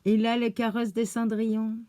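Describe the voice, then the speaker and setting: A woman hosting a craft channel, gushing with oohs and exclamations as she slowly unpacks crafts in casual chat. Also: on the high side, completely flat delivery, warm tone, no echo. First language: French. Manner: slow, thinking aloud as she unpacks.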